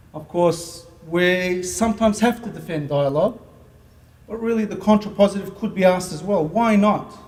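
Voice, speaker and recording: A man speaks in a high voice at a moderate pace with ordinary pitch variation. His loudness swings widely over noticeable background noise. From Australia. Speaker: interfaith dialogue leader, former engineer. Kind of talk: speech at a dinner. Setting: dinner event with audience. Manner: hesitant, many fillers.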